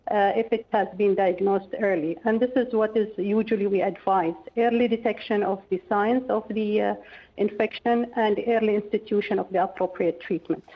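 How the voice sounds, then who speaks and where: Woman on a dull phone line. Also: medium pitch. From Oman. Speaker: infectious disease consultant, interviewed guest. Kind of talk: explanatory phone interview. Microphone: telephone. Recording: dull, band-limited telephone line.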